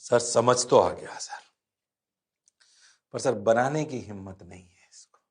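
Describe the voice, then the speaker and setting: A man's voice: medium pitch, expressive, measured pace, voice pushed down, lightly acted. A male physics teacher putting on the voice of an eager student who answers him meekly, repeating "sir". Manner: soft, meek replies, repeating "sir".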